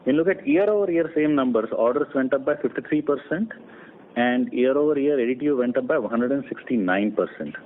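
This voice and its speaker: A male company executive answering questions on an earnings call, speaking off the cuff and rephrasing haltingly as he explains. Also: mid-range voice, expressive. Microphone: conference phone call. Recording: narrow phone line with clear noise.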